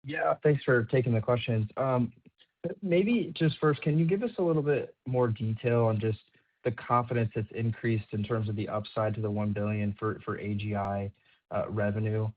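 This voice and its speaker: A man's voice: fairly low pitch, steady tone, moderate pace. A man asking an unscripted question as a financial analyst, in informal, piecemeal phrasing. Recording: narrow tinny phone-line sound.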